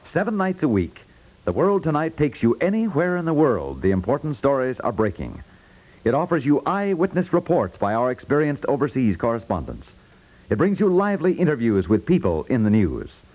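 A man reading scripted promos as a polished 1950s network radio announcer, with measured emphasis. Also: mid-range voice, sing-song, a little mellow, lo-fi sound.

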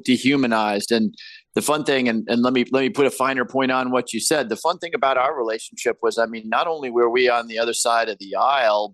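A man's voice: mid-range voice, fairly bright tone, no echo. A man who is a guest on an interview podcast, speaking earnestly with many restarts and repeated words. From born in Peru, grew up partly in Latin America. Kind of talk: conversational interview.

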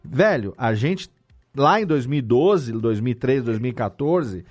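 Speaking at a measured pace, this podcast host and audio drama editor has a medium-pitched, animated, slightly mellow voice. His Brazilian Portuguese accent comes through as he explains things informally and repeats words often.

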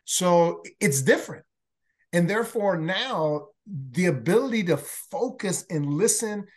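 A man from El Salvador with a faint Salvadoran Spanish accent, a native Spanish speaker, talking earnestly as a podcast guest and often restarting his words. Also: sits high. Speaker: podcast guest, workplace learning consultant. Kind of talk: casual interview talk.

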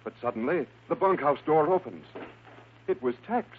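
A man's voice: a little high, animated, normal speed. A man narrating an old radio adventure serial in a suspenseful, theatrical style. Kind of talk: dramatic scripted narration, 1950s radio adventure. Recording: noisy, tinny old radio recording.

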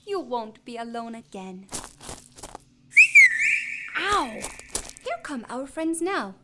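An actress playing a calm, kindly woman leader who explains things at length and travels with her dog. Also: fairly high pitch, slow, very noisy. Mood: friendly. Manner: polite and knowledgeable, prone to rambling.

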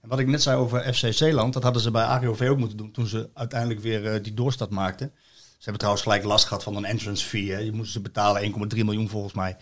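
A man's voice: lowish voice, level tone, very fast, fairly bright tone. A Dutch man in casual football chat, telling long stories with many restarts and fillers.

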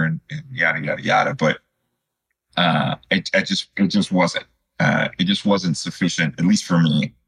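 A man in his fifties from Chicago, answering as a podcast guest in a conversational, halting and reflective way. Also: rumbling low, pushed and bright, breathy edge. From Chicago, United States. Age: 50s. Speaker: podcast guest, student physical therapist.

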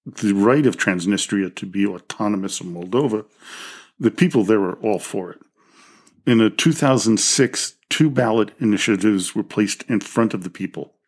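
A man reads out a scripted history narration for his podcast in a fairly low, steady voice. Now and then he trips on a word and corrects himself before moving on. He sounds close to a podcast mic. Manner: reads from a script with small slips and self-corrections. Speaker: podcast host.

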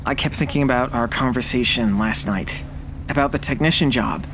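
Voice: mid-range voice, moderate pace, natural voice. An actor playing a stubborn, impulsive young stowaway in an audio drama, defiant and insistent. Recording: loud boat engine noise.

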